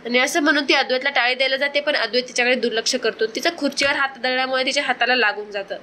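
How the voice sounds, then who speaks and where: A woman retells a drama episode as a story, adding chatty, sympathetic asides along the way. Her voice is high and bright with a crisp edge. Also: steady tone, very fast, slight background noise. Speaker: narrator of a serial episode recap. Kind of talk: storytelling narration.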